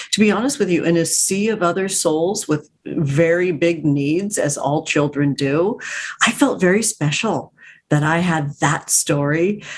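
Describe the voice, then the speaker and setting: Fairly slow pace, ordinary pitch variation and a quiet background. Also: woman, fairly low pitch for a woman. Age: 50s. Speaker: witch and tarot deck creator. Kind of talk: interview answer.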